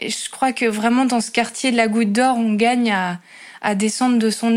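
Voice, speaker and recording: This woman speaks at a fairly slow pace in a fairly high pitch, her intonation monotone and flat. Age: 30s. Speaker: music teacher and volunteer. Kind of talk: testimony. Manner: halting.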